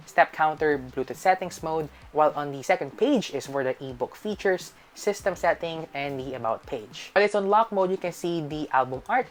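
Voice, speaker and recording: A woman presenting a scripted gadget review as a tech channel host, with emphatic sentence openings that trail off at the ends. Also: sits low. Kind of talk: scripted product review narration.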